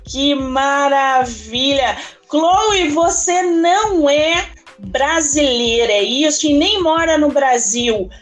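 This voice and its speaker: A woman with a Brazilian Portuguese accent hosting a podcast interview, effusive and drawn-out in her speech. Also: high voice, animated, faint music behind. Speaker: podcast host.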